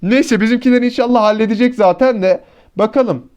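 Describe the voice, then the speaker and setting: A man giving excitable, slangy live commentary over a mobile shooter match, talking to his teammates and to his viewers. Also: sits high, fairly quick, clear, resonant tone. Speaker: mobile shooter gameplay YouTuber.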